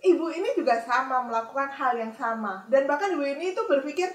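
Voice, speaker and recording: A young woman telling a Bible story to children in a church, expressive and speaking straight to the kids. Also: high voice, fast. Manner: expressive, addresses children directly. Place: church room. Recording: echoey room from a distance.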